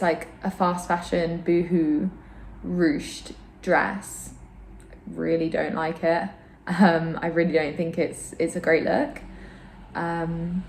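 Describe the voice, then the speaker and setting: A woman's voice: on the low side, a little mellow. A woman vlogger with a slight sore throat chats casually to camera about her opinions, informal and self-deprecating. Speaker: vlogger and host. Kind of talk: casual fashion chat to camera. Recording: roomy echo, clear background noise.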